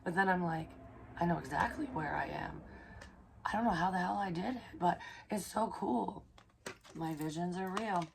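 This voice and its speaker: A hoarse young woman, chatting casually in a rambling psychic vlog, swearing freely and filling pauses with ums. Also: fairly low pitch, noisy background. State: hoarse, recovering from illness. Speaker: psychic medium vlogger.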